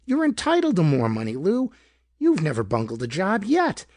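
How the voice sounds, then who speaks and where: A man's voice: high-pitched, huge pitch swings, normal speed, a little mellow, dry recording, clean studio sound, voice pushed up, exaggerated voice. A man voicing a nagging wife with a reedy, querulous whine and slangy, pushy talk, in a pulp detective story. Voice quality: reedy, whining. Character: nagging, whiny dyed-blonde wife, querulous.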